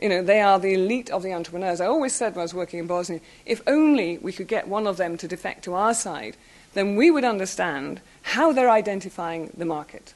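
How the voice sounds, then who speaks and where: This woman speaks very fast with a British accent. Her intonation is lively. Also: medium pitch for a woman. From Britain. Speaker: human rights official and lecturer. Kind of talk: lecture. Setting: stage with audience at university. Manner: informal, conversational.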